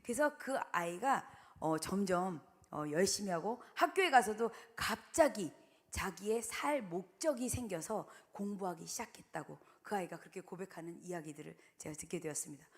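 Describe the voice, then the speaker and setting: A middle-aged woman missionary preaching a sermon, telling stories in a lively way and acting out the quotes. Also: medium pitch, normal speed. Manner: animated storytelling, acts out quotes.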